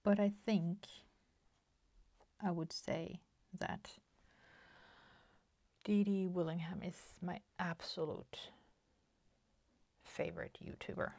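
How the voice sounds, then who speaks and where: A Swedish woman in her forties with a Swedish accent, chatting softly at her craft table with many fillers and half-whispered asides. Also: on the low side, fairly even intonation, takes it slowly, pauses often, dry recording. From Sweden. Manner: soft-spoken, slips into whispers, many fillers. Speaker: crafting channel host. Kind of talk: casual chat while crafting. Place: home craft table, indoors.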